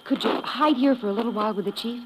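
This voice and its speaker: A woman's voice: fairly high pitch, fast talker, lightly acted. A woman acting a plucky, resourceful young sidekick in a 1950s radio drama. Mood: confident. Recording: very noisy old 1950s radio recording.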